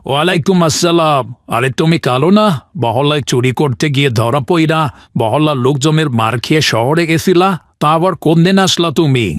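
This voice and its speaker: Man acting an anxious cartoon shopkeeper, fretful, gullible, Bangladeshi accent, highish pitch, dry sound. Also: fairly quick, no echo, lightly acted. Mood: suspicious. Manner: fretful, exclaiming. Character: anxious debt-ridden male village trader, gullible uncle.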